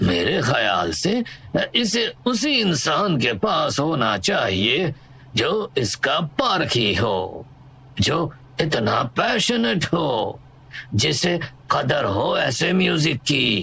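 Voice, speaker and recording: Through light background noise, a man in a put-on character voice speaks very slowly at a fairly high pitch, with very wide pitch swings and very even loudness. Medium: audio drama. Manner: hesitant.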